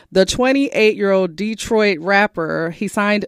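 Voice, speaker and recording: A woman has an ordinary speaking voice with an American accent. The recording is very clean and dry, close with no echo, and the background is silent. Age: 40s. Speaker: radio talk show host. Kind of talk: casual radio talk show. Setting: radio studio.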